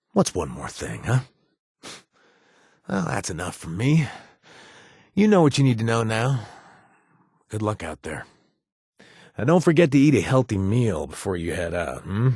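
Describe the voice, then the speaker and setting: A man's voice: fairly low pitch, darkish tone, breathy edge, dry recording, heavily acted. An actor playing a playful, flirtatious male companion in a video game, recorded dry in a studio.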